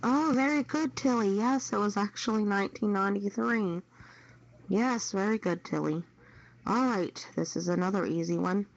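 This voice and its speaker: A woman's voice: medium pitch, moderate pace, gravelly. A woman hosting a quiz, reading out questions in an unscripted way over a muffled radio chat channel. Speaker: trivia quiz host.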